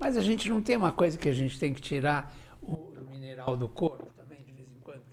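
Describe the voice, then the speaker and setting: A man with a fairly high, somewhat breathy voice talks at a fairly quick pace, using lively intonation and big swings in loudness. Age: 70s. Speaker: podcast host. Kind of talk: podcast host talk.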